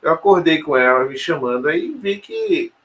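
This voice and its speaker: A man's voice: on the high side, wildly swooping pitch, moderate pace, a bit bright. A man telling a personal story in an interview, hesitant, with many fillers and restarts. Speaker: interview guest. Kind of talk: casual storytelling conversation.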